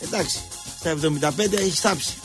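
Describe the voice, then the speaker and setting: A man's voice: a little high, over music. A man hosting a call-in radio show, talking with callers in an emphatic, preachy way.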